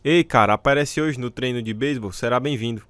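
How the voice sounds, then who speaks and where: An actor in a radio drama playing a supportive, straight-talking baseball coach. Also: male voice, medium pitch, fast talker, a bit bright, clear, resonant tone, no echo, soft background music, natural voice. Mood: encouraging, firm.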